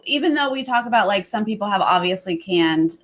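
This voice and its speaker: A woman's voice: medium pitch, animated, fairly quick. A woman hosting a reality TV fan show, chatting casually with teasing, opinionated reactions.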